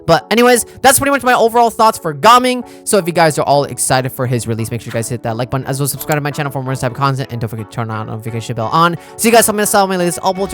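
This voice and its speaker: Guy gamer youtuber talking really fast, thinking out loud, slangy, faint music behind him. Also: a little high. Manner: informal, slangy, thinking aloud. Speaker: gaming YouTuber and streamer. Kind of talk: casual game reaction commentary. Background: background music.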